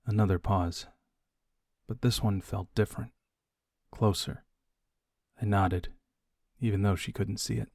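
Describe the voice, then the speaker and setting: A man narrates an audiobook in a low, dry-sounding voice. His delivery is unhurried and hushed, with deliberate pauses for dramatic effect. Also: fairly even intonation, dry recording.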